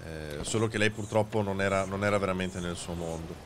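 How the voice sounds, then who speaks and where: A man's voice: low-pitched, brisk. Chatty Italian-speaking male streamer, noisy background. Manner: relaxed, chatty, swears casually. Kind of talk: casual gaming chat.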